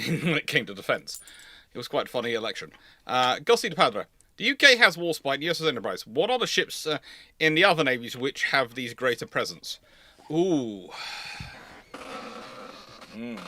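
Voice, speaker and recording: A man's voice: mid-range voice, sharp tone. A British man hosting a casual live question-and-answer stream, thinking aloud and wandering into digressions. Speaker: host answering viewer questions on a livestream.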